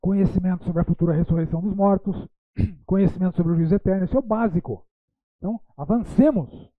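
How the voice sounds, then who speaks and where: A man's voice: sits high, quick pace, no room sound. Man, Bible school lecture, asks rhetorical questions, dry close sound. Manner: rhetorical questions, frequent "né" tags. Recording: tinny phone-like dry sound.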